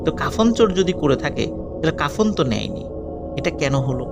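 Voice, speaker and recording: Male horror narrator, gravelly voice, dramatic pauses, loud music bed under him. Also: a little high, very animated. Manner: dramatic pauses, swinging between loud and hushed. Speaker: storyteller. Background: loud eerie music.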